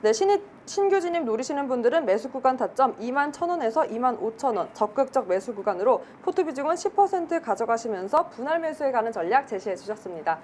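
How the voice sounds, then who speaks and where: A woman hosting a financial broadcast, reading her script in a crisp, upbeat presenter manner. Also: a little high, sing-song, quick pace, hardly any pauses, darkish tone, a little hiss or hum. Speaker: show host.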